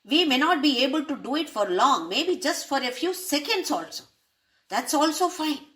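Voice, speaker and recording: A woman's voice: high-pitched, lively intonation, moderate pace, a bit bright. A woman explaining a spiritual text, posing rhetorical questions and using Sanskrit terms. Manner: asks rhetorical questions to listeners. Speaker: spiritual teacher.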